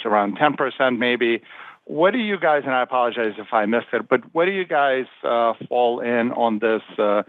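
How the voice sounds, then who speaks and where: Male analyst, middle pitch, informal and halting questioner, dry phone-line sound. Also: dry recording. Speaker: financial analyst asking questions. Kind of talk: informal earnings call questioning. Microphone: telephone.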